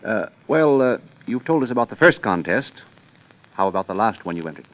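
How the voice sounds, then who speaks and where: A man's voice: on the low side, very animated, fairly quick. A man hosting a 1930s radio program, narrating oddities and interviewing a guest in a formal, showman-like announcer style. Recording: muffled 1930s radio recording with music.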